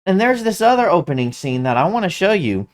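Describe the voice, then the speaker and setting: An online commentator giving excited, casual commentary, stumbling over and restarting words, and humming tunes aloud. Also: medium pitch, brisk. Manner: animated, hums music aloud.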